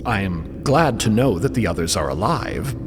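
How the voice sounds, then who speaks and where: A man's voice: on the low side, lively intonation, normal speed, over music, lightly acted. An actor playing an earnest, literal-minded man new to emotions in an audio drama, with stiff, formal phrasing. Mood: earnest, uneasy.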